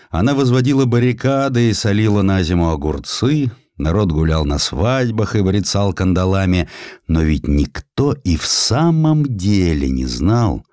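A man reading a literary story as a dramatic audiobook narrator, deliberate and measured, with weighty pauses. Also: low voice, darkish tone, dry recording, studio quality. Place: studio.

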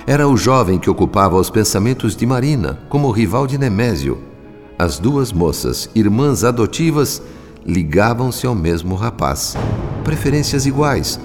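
A reflective male spirit analyst narrating a radio drama in a very deep, measured voice. His delivery is solemn and literary, set in a long reverb with music underneath.

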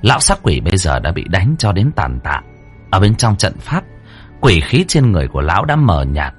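A man's voice: low voice, sing-song, moderate pace, soft background music. A man narrating a horror story dramatically.

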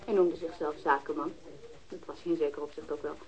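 An actress playing a blunt, wary and mocking bohemian sculptor in a radio drama. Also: female voice, low voice, steady tone, quick pace, darkish tone, close to an everyday voice. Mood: frank, matter-of-fact. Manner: blunt, challenging. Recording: dull lo-fi old radio recording.

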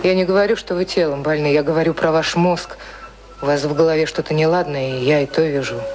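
An actress in a radio play playing a frank, caring working girl who speaks earnestly and plainly, gently scolding. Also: sits low, fairly even intonation, quick pace, natural voice. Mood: worried reproach. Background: music.

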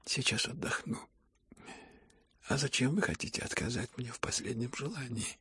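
A man reading a storybook who voices a dying young man, calm and ironic, speaking hoarsely at barely a whisper. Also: medium pitch, normal speed, no room sound.

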